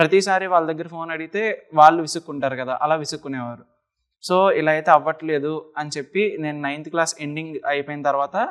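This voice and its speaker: This man has a normal speaking voice, fairly high in pitch. His intonation stays fairly even. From Andhra Pradesh, East Godavari (Anaparthi). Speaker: short film director and YouTuber. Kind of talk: motivational talk.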